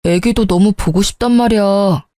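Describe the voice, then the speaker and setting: A woman's voice: mid-range voice, moderate pace, dark tone, no room sound, clean studio sound, natural voice. Woman doing a begging young husband. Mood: pleading. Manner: begging, apologetic.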